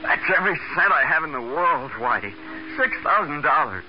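A man's voice: a little high, sing-song, moderate pace, soft background music. An actor playing a desperate, blackmailed young man in a 1940s radio crime drama. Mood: pleading. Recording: dull, hissy 1940s radio recording.

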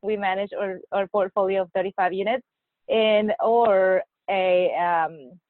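A woman's voice: mid-range voice, steady tone, unhurried, no echo. A woman, a podcast guest who speaks hesitantly and laughs often. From Mexico. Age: 40s. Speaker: guest, nurse anesthetist. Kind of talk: podcast interview. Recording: dry tinny phone-like line.

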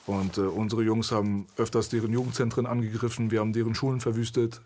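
A man's voice: lowish voice, flat delivery, fast, a little mellow, slight background noise. A man from Berlin, a guest in a candid conversation, telling his story in a blunt, intense way. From Berlin, Germany.

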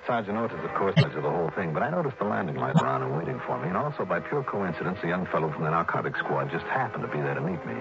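An actor playing a tough, wisecracking male insurance investigator, narrating in clipped, dry 1960s radio drama style. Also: a bass voice. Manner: dry, clipped, hard-boiled. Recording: dull old radio recording with music.

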